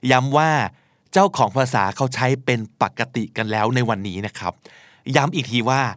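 A man's voice: medium pitch, dry recording, studio quality. A man hosting a talk show about English usage, talking in a casual, slangy, explanatory way with emphatic asides. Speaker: podcast host teaching English.

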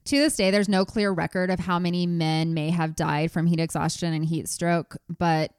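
A young woman with a low, dry-sounding voice tells ship history on a casual podcast, slipping in jokes between the facts. She is from Colorado and co-hosts the show. Her voice is recorded close and dry. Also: steady tone, normal speed, darkish tone, clean tone, dry recording. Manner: reads history facts with joking asides. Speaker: podcast co-host.

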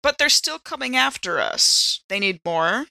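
A woman's voice: fairly high pitch, sing-song, unhurried, creaky, bright, forceful tone, dry recording, studio quality. A woman playing in a tabletop roleplaying podcast, mixing in-character lines with casual table chat.

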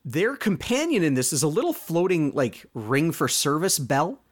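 A man's voice: fairly high pitch, moderate pace. A man with a Canadian accent, chatting casually as a podcast co-host about a show he watched. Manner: animated, mock voices when quoting. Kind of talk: casual chat reviewing a show.

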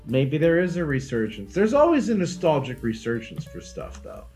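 A man co-hosting a comedy podcast, trading deadpan jokes and telling rambling stories in casual chat. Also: fairly high pitch, moderate pace, soft background music. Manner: deadpan joking, rambling storytelling. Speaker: podcast co-host.

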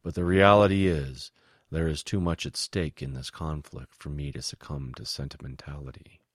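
A man playing a smug, treacherous villain in an audiobook story, with a casual, measured, smirking manner. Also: very deep voice, fairly even intonation, no room sound, clean studio sound. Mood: calm, dismissive.

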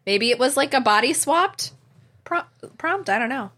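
A woman's voice: high-pitched, animated, normal speed, sharp tone. A woman chatting on a podcast, making wry, dry remarks. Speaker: podcast guest. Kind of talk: casual chat.

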